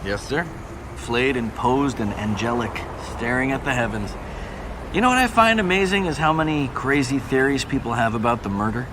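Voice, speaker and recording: A man's voice: mid-range voice, moderate pace, close to an everyday voice. Man as a chatty tour guide on noisy street. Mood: opinionated, wry. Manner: wry, animated, self-assured. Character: chatty, opinionated male Hollywood murder-tour guide. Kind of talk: casual conversational explaining. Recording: noisy outdoor city street ambience. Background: street and traffic noise.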